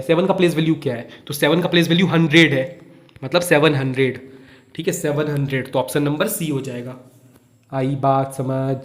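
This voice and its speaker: A man's voice: a little high, fairly bright tone. A young man tutoring children in a casual, chatty way, asking questions and answering them himself, repeating each point. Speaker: online olympiad teacher. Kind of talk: casual Hindi tutoring lesson.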